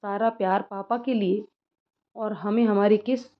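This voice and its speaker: A woman's voice: medium pitch, fairly even intonation, unhurried, close to an everyday voice. A bashful middle-aged mother who scolds in mock anger, as a woman narrator puts her on. She speaks with playful fuss, and the lo-fi sound is a bit muffled. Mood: bashful scolding. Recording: slightly muffled lo-fi recording.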